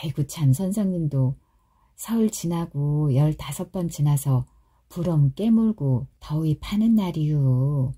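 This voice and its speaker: A woman voicing a cheerful, chatty young village wife who speaks in a folksy, drawn-out Chungcheong dialect. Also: deep voice, animated, dark tone, breathy edge, exaggerated voice. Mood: coaxing chatter. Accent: Chungcheong Korean dialect.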